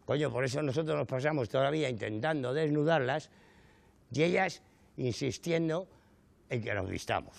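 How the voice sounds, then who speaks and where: A man's voice: medium pitch, animated, moderate pace, gravelly. A middle-aged man with a Canary Islands Spanish accent performs a stand-up monologue, telling his stories with indignant exaggeration and frequent rhetorical asides to the audience. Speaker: comedian. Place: studio stage before a live audience.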